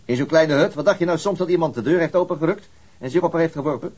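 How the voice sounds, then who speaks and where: An actor playing a weary, brusque and dogged police detective, talking conversationally in a radio crime drama. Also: male voice, a little high, fast talker, a little mellow, husky. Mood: insistent. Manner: brusque, world-weary, argumentative.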